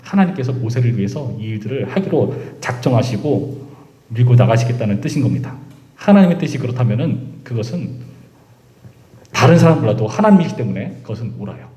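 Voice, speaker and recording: A man's voice: mid-range voice, lively intonation, brisk, warm tone, reverberant. A male pastor giving a sermon at a youth service. He speaks straight to his listeners and often acts out the voices of figures from the scripture. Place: church sanctuary.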